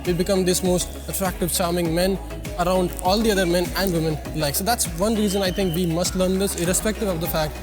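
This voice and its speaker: A man's voice: high voice, fairly even intonation, quick pace, over music. A man with a Bengali Indian accent hosting a motivational vlog, speaking emphatically and repeating his phrases as he addresses viewers. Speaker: YouTube channel host.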